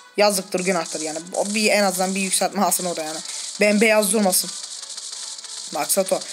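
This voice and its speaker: There is noticeable background noise as a man talks at a high pitch and a fairly quick pace. He leaves long, frequent pauses. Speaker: gaming video creator. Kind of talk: gameplay commentary. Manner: animated.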